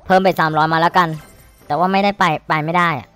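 A man giving excited, crude commentary while streaming a slot game, cursing and pleading at the screen. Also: high voice, fast, clean tone, soft background music.

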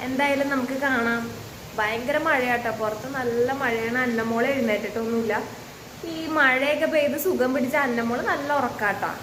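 High-voiced young Keralan woman vlogging at home. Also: noisy background. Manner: chatty, sing-song baby talk with her toddler. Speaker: vlogger and mother. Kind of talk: casual home vlog chat. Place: home on a rainy day. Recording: home recording with faint rain ambience.

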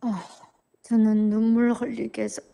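A woman in her forties, a church member telling her family troubles in a counseling interview, talking slowly and hesitantly. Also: a little high, completely flat delivery, creaky, clear, resonant tone. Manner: slow, hesitant, soft-spoken.

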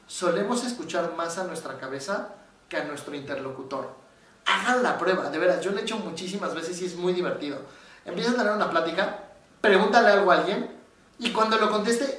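Speaking at normal speed in a high voice, a Mexican-accented psychologist chats casually as he explains, an animated storyteller who imitates the voices he quotes. He's recorded from a distance, off the mic, in a room with heavy echo.

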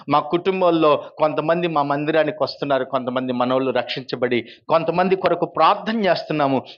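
A man's voice: mid-range voice, dull audio. A man, a pastor, telling his personal testimony in an earnest storytelling way. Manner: earnest storytelling, rising when quoting others.

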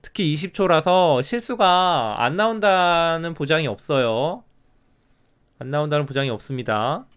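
A middle-aged man gives live commentary on a Go game in a smooth, resonant voice. He drops to a low murmur to count points, then comes back louder with quick, animated reactions. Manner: counts territory under his breath, then exclaims at turns.

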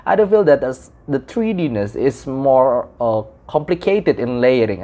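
Young man, halting delivery. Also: medium pitch. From Indonesia. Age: young adult. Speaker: audio gear reviewer. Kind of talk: casual product review to camera. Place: small room indoors.

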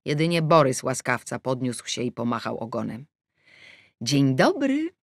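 A woman's voice: rumbling low, brisk, no echo, studio quality. A woman reading a first-person story aloud as an audiobook narrator, with a wry, ironic telling.

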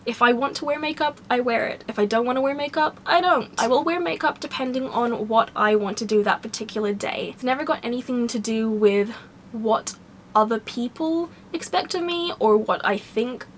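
A young woman speaks straight to a close camera in a small room, her voice hoarse because she has a cold. She talks in a candid, wry, rambling way, sitting a little high in pitch. A faint hiss sits under the recording. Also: normal speed. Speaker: vlogger. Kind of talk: casual talking-to-camera vlog. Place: small home bedroom, indoors.

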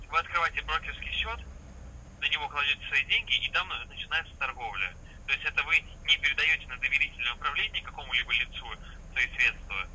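Fast, very bright man on a noisy speakerphone. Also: mid-range voice. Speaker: investment company phone salesman. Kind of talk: phone sales pitch. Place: phone speaker inside a parked vehicle cab. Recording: noisy phone call on speaker in vehicle.

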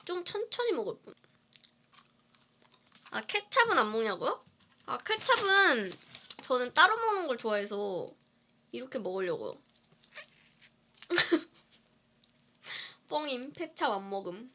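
A woman's voice: a little high, big pitch swings, measured pace, long pauses, bright, forceful tone, a little hiss or hum. A woman indie singer chatting casually on a livestream while eating, playful and giggly as she answers viewer comments. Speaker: indie singer live-streaming.

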